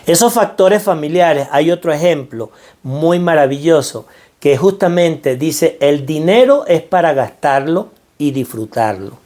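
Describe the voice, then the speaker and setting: Fairly high-pitched yet darkish in tone, this middle-aged man's voice is expressive and a little slow. A financial mindset speaker with a Venezuelan Spanish accent, he gives a heartfelt, sermon-like pep talk and keeps repeating phrases to stress them.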